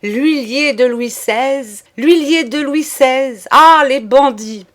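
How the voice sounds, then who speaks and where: A woman voicing a male house servant who shouts at full force. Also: sits high, slow pace, voice pushed up. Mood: outraged.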